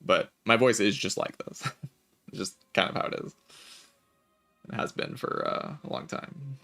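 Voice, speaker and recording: A man streaming a game, chatting casually in a relaxed, raspy voice with vocal fry, often saying "like". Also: lowish voice, moderate pace, soft background music. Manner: relaxed, laid-back, chatty with filler "like". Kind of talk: casual chat while gaming.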